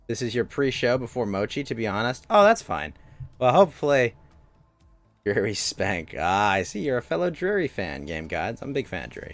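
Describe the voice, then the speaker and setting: A young man streams games from home, his low, creaky voice captured in a dry recording. He chats loosely with his viewers, rambling and restarting sentences often as he talks to chat in a casual live-stream style.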